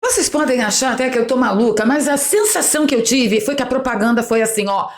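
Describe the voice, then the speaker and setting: A woman's voice: fairly high pitch, animated, quick pace. Sarcastic Brazilian woman in her fifties. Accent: Brazilian Portuguese. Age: 50s. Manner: sarcastic and indignant, talks straight to viewers. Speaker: political commentary host. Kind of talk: opinion commentary vlog.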